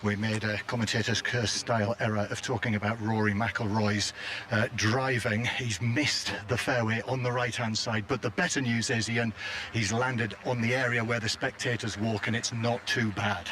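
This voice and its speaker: A man's voice: lowish voice, fairly even intonation, normal speed, pushed and bright. A man giving a live update as a golf commentator.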